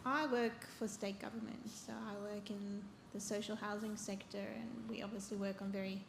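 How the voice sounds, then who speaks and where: A soft-spoken woman asking a question from the audience. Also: medium pitch, little pitch movement, normal speed. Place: event hall. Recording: echoey room with clear noise.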